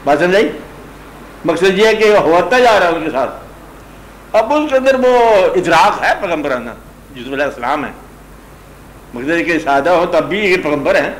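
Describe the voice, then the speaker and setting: A man's voice: fairly high pitch, expressive, pauses often, a little hiss or hum. A man teaching a gathering in a conversational religious discourse, retelling a story and often asking whether his listeners have understood. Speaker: spiritual teacher addressing a gathering. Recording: echoey room with faint ambience.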